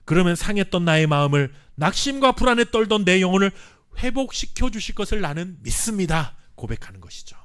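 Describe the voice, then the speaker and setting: A Korean pastor preaching a sermon with earnest emphasis and dramatic pauses, sometimes reading scripture slowly. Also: male voice, high voice, a bit bright. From South Korea. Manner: reads scripture aloud slowly with the congregation.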